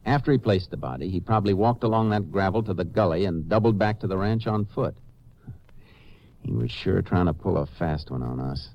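A man playing a steady, commanding Texas Ranger in a 1950s radio western, giving firm clipped orders, on a dull, crackly recording. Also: deep voice, a little fast. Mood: wary, low.

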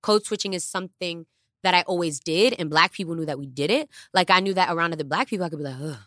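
Low-voiced candid woman podcaster. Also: fast talker, no room sound, studio quality. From the Bronx, New York. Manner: candid, animated, voice rising and dropping in bursts. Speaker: podcast co-host. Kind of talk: casual podcast chat. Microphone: studio podcast mic.

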